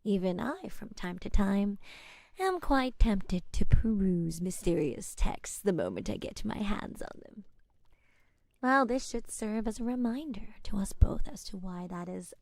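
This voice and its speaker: A woman playing a wry, curious forest witch in a soft-spoken ASMR fantasy roleplay, musing and gently teasing in a breathy half-whisper. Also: mid-range voice, animated, no room sound. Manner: unhurried, hushed, musing, politely teasing. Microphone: close-up ASMR microphone.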